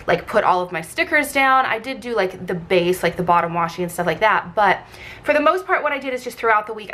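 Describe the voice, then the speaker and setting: Female vlogger, congested with a fully blocked nose and a bit scratchy, chatty and informal, medium pitch. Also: fairly bright tone. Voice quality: slightly scratchy throat. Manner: informal, rambling, frequent "like". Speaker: planner vlogger. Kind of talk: casual chatty craft video narration.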